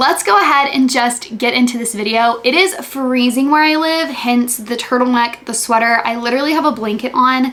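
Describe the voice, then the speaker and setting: Over noticeable background noise, this woman talks at a high pitch. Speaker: lifestyle vlogger. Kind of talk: casual vlog talk. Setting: home.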